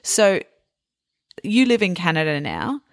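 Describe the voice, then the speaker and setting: A woman hosts a podcast interview in a chatty, friendly way, laughing easily and asking question after question. Her voice sits a little low for a woman. The sound is dry and close. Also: very animated, unhurried, vocal fry, no echo. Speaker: podcast host. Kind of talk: casual interview.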